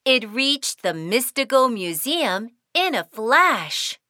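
A woman's voice: a little high, big pitch swings, slow, sharp tone, dry recording, clean studio sound. A woman narrating a children's cartoon in a sing-song, cheerful storytelling way.

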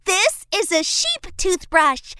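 Brief: woman doing a bright, sky-high chirpy boy prince for a storybook, eager and encouraging. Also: sing-song, slow, a little hiss or hum, exaggerated voice. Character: brave cheerful young boy prince. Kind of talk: storybook character voice.

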